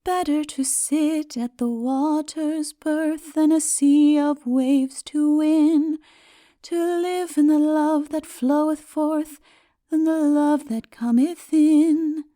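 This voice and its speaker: A woman voicing a mysterious ancient woman who sings slow, solemn, tender verse in a fantasy audiobook. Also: high-pitched, steady tone, dark tone, soft background music, pitched above the performer's own voice. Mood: tender, singing. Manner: drawn-out, melodic, solemn.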